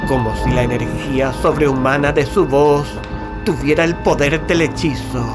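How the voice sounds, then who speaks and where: A man from reads a gothic horror tale as narrator, solemn and theatrical, with deliberate phrasing. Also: a little high, fairly even intonation. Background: loud dramatic music bed.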